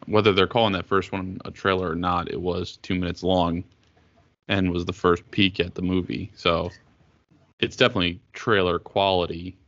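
Male podcast host, low voice, wry and teasing, dry dull lo-fi sound. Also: flat delivery, normal speed, fairly bright tone. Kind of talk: casual podcast chat.

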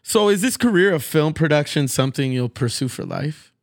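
A man's voice: a little high, animated, brisk, no echo, clean studio sound. An American man hosting a podcast interview in a casual, informal and supportive way.

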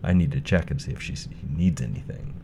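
Male reader as storybook huntsman, low and blunt, no-nonsense. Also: fast talker, vocal fry, noisy background. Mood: gruff. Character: gruff male huntsman, dutiful and stern.

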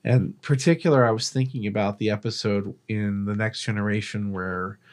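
A man's voice: fairly low pitch, steady tone, normal speed. A man co-hosting a podcast, chatting casually in a rambling, explanatory way with some swearing. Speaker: podcast co-host. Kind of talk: casual chat.

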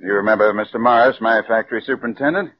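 Actor as a lowish-voiced, chatty male factory owner; dull vintage radio sound. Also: very fast, slight background noise, lightly acted. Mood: friendly. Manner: chatty, sympathetic. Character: genial middle-aged male factory owner. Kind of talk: 1940s radio acting. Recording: dull 1940s radio broadcast.

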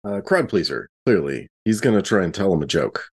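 A man with a fairly low voice plays a tabletop role-playing game. He improvises his character's actions and banter casually, in a halting and jokey manner. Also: big pitch swings, slightly rough.

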